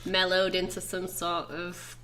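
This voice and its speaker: A woman's voice: on the low side, monotone, a little slow, pushed and bright. A woman from Manchester whose posh English accent has a European blend. She makes brief, matter-of-fact remarks. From Manchester, England. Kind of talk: casual call-in chat.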